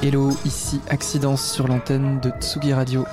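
Male radio host, measured announcer delivery, faint music underneath. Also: medium pitch, monotone. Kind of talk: radio interview, scripted intro then casual chat. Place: radio studio.

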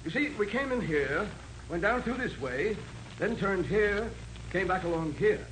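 Polite, official company manager for old radio crime show; quite high male voice, faint hiss. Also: animated, measured pace. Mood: courteous, confident. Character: courteous, businesslike male diamond mine general manager. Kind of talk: 1940s radio acting. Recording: noisy old 1940s radio broadcast.

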